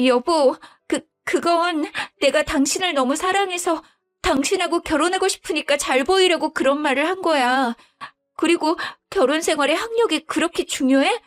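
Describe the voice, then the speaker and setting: A woman's voice: high voice, normal speed, lightly acted. A woman voicing a deceitful young wife who whines, stammers and begs her husband not to divorce her in an audio drama, with faint music behind. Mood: pleading. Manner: whiny, pleading, stammering. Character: lying young wife, pleading and self-pitying.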